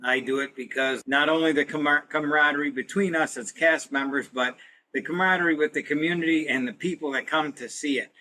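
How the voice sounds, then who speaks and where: A man's voice: on the high side, fairly even intonation, a little fast, bright, forceful tone, slight background noise, poor audio. A man who performs with a community cast, talking conversationally in a podcast interview. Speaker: community radio play actor.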